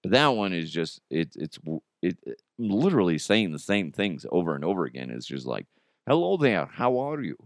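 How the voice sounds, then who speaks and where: A man's voice: deep voice, expressive, brisk, dry recording, studio quality. A man hosting a podcast in casual, rambling talk, his voice a little strained. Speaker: podcast and radio host.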